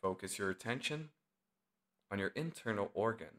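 A man leading a guided meditation as the instructor, speaking in short, deliberate phrases with long pauses. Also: fairly low pitch, lively intonation, a bit bright.

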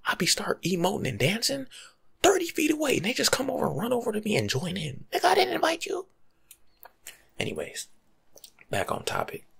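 Breathy young American man, half-whispering ASMR. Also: extremely high pitch, wildly swooping pitch, fairly quick, pauses often, fairly bright tone. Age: young adult. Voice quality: breathy, often dropping to a whisper. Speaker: ASMR video creator. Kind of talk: ASMR role-play monologue, casual life-coach advice. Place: small room at home, indoors.

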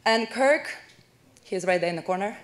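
A woman in her thirties from Russia, speaking English with a Russian accent, telling her story as an honoree in an onstage interview, lively and laughing, on a handheld mic in a university hall. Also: medium pitch, normal speed. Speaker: hall of fame inductee. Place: university event hall with audience.

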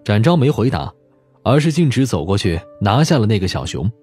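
A man's voice: fairly low pitch, very animated, a little fast, a little mellow, breathy edge. A man reading a detective audiobook as a scripted narration. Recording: music behind the voice.

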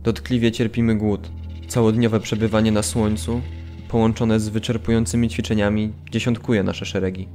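A male actor plays a prisoner recounting hardship in a radio play. His voice is lowish and flat. Soft music sits underneath. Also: normal speed, close to an everyday voice. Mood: grim. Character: male camp prisoner recounting hunger and exhaustion. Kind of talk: dramatised documentary narration.

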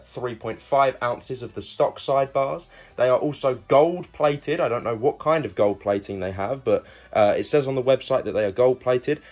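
A young man giving a casual, conversational product review, talking directly to his viewers. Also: mid-range voice. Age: young adult. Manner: conversational, addresses viewers as guys. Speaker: video reviewer and host.

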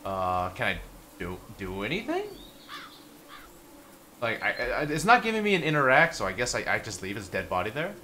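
A young man playing a survival game, joking and swearing, with sudden loud outbursts. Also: lowish voice, wildly swooping pitch, moderate pace, long pauses, a little hiss or hum. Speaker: gaming YouTuber. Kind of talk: let's play commentary.

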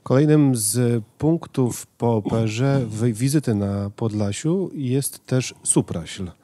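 A young man holds a mic and asks his questions in a measured way, glancing at notes. His voice is mellow and mid-pitched, heard dry and close in a small studio. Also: no echo. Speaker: radio interviewer. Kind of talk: radio studio interview. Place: small radio studio with a banner backdrop. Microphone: handheld mic.

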